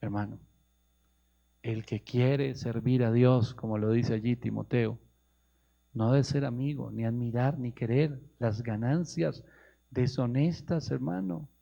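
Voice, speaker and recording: Colombian male pastor, gravel in the voice, mid pitch, preaching with emphatic climbs, muffled radio sound. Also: fairly even intonation, unhurried, warm tone. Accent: Colombian Spanish. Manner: rising to high emphatic questions, addresses listeners as brother. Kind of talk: sermon.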